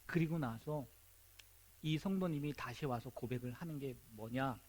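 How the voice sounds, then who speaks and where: A man's voice: medium pitch, moderate pace, a little mellow. A man preaching a sermon as pastor at a young adults' worship service, telling a story and asking his listeners many rhetorical questions.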